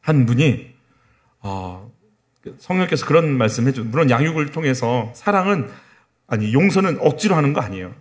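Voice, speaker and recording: A man preaching a Korean sermon, telling stories and acting out the quoted dialogue. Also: mid-range voice. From South Korea. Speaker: pastor.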